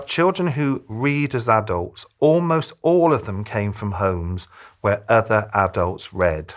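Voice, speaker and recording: A man in his fifties giving advice to camera as a children's author, speaking emphatically like a storyteller, with deliberate pauses. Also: medium pitch, a bit bright. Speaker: children's author giving reading tips to parents. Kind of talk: direct-to-camera advice talk, presentational. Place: small furnished room, indoors.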